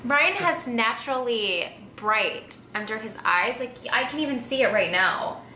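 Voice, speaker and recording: A woman's voice: fairly high pitch, lively intonation, a little slow, bright, forceful tone. A young woman from Texas with an American accent, chatting casually as a vlogger answering viewer assumptions. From Texas, United States. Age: young adult. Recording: echoey room with faint background noise.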